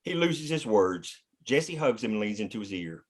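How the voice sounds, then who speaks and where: A man's voice: on the low side, big pitch swings, normal speed, husky. A man reading scripted stage directions plainly in the present tense, as narrator at a table read.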